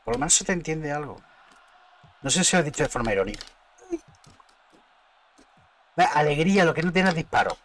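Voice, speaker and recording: A man with a Spain Spanish accent commentating his own football video game live, excitable, muttering and cursing at the action. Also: a little high, fast, slight background noise. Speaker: gaming streamer.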